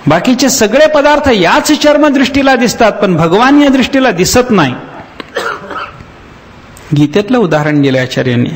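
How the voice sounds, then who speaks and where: A man giving a devotional discourse as a spiritual teacher, telling a story with lively acted-out voices and slowly chanted verses. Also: very high-pitched. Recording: long hall reverb.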